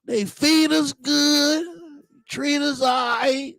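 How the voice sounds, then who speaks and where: A man co-hosting a radio show, joking around playfully with loud bursts. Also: extremely high pitch, steady tone, very slow, gravelly, dry recording. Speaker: radio co-host. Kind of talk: casual on-air banter. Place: radio studio. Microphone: studio mic.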